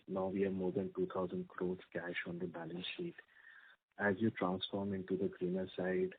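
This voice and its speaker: Male analyst, deeper husky voice, deliberate formal questioning over a thin phone connection. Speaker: investment analyst asking questions. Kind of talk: formal question on an earnings call. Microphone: telephone. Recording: muffled narrowband phone line.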